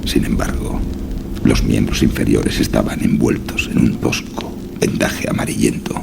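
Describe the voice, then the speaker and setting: A man narrating a horror story in a dramatic audiobook style, with a very deep, gravelly voice. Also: flat delivery, moderate pace, background noise.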